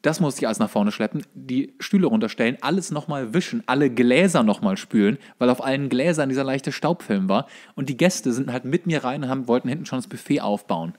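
A man's voice: mid-range voice, animated, fairly quick, few pauses, a little mellow. A young man, co-hosting a podcast and telling anecdotes in a casual, chatty way. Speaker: podcast co-host.

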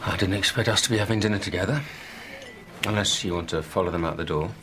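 A man's voice: low-pitched, fast, noisy background, natural voice. A man playing a guarded, reproachful dinner companion in a TV drama. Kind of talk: naturalistic TV drama acting.

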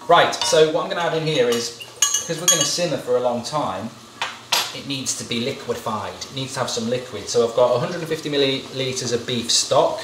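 A man's voice: medium pitch, brisk, recorded from a distance, background noise. Joking man cooking in echoey kitchen. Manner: jokey, rambling asides while cooking. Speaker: cooking show host. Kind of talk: casual cooking chat. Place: home kitchen, indoors. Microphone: camera mic at a distance. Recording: echoey kitchen, mic set back.

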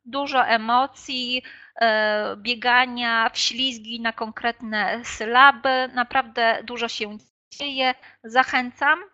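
A woman's voice: a little high, steady tone, slow pace, sharp tone. A woman presenting an online teacher workshop, explaining classroom games with frequent hesitations and filler sounds. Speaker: teacher trainer. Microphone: video call. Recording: dull lo-fi online call audio.

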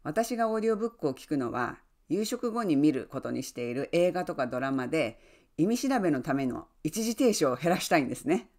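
A woman who works as an online English coach, giving friendly, encouraging advice and often adding soft tag words as she talks. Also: low-pitched, sing-song, brisk. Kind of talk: advice talk to camera.

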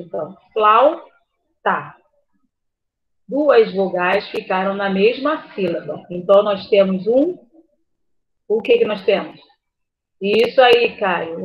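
Woman, primary teacher, slow careful delivery, slightly muffled lo-fi audio. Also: mid-range voice. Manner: slow, patient, spells words out. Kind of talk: online class review.

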